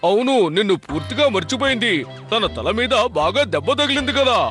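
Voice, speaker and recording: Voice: mid-range voice, very animated, fast talker, a bit bright. Slightly sly cartoon village doctor. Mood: advising. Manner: advising, deliberative. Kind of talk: cartoon dub acting. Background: faint music.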